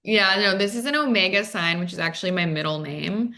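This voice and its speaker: Bright-voiced American woman, casual interview guest. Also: medium pitch, a little fast. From Arizona, United States. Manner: casual, peppered with "like" and "you know". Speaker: guest, dating coach. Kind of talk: conversational interview.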